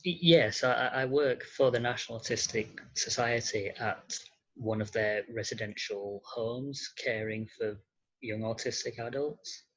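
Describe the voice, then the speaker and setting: A man answering casually as an interview guest, halting and searching for words. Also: mid-range voice, a bit bright, breathy edge. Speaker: podcast guest, care worker. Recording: slightly dull, lo-fi sound.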